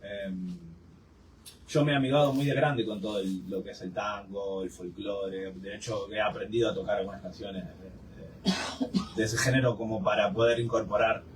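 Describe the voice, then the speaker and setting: A man's voice: fairly low pitch, fairly even intonation, moderate pace. A man with an Argentine accent speaking as a guest in a live panel discussion, hesitant and full of filler sounds, recorded in a forum hall. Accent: Argentine Spanish. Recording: distant mic with clear room noise.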